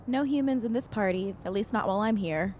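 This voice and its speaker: A woman's voice: mid-range voice, a little fast, darkish tone, a little hiss or hum, close to an everyday voice. A woman playing a concerned young traveler in an audio drama, with natural, everyday delivery. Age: young adult. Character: concerned young traveler, warm with friends, guarded with strangers.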